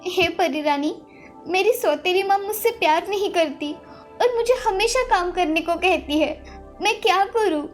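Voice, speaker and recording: A meek, tearful young cartoon girl speaks in a high, soft voice, as a woman acts her out. She sounds gentle and pleading, eager to obey. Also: normal speed, faint music behind. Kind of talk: cartoon voice acting.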